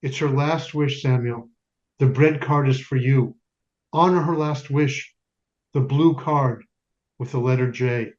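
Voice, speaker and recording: An actor playing a stern yet tender, grieving Jewish father in a wartime ghetto, speaking in solemn, deliberate stage monologue with weighty pauses. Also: mid-range voice, fairly even intonation, darkish tone, lightly acted. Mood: grim, resolute. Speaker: stage actor in community theater. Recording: dull lo-fi recording, music underneath.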